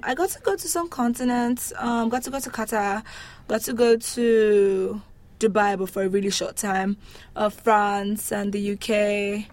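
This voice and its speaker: A woman's voice: mid-range voice, darkish tone. Casual woman in conversation. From Nigeria. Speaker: interviewee describing her home country.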